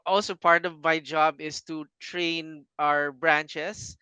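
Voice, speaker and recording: A man's voice: on the high side, little pitch movement, takes it slowly, sharp tone, smooth, no room sound. A man, a banking guest earnestly explaining sales in a casual interview.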